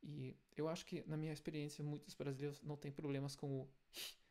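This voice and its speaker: A man with a German accent, a native German speaker, teaching German pronunciation in Portuguese, explaining step by step and repeating example sounds slowly. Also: fairly high pitch, flat delivery, a little mellow. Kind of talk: language lesson video.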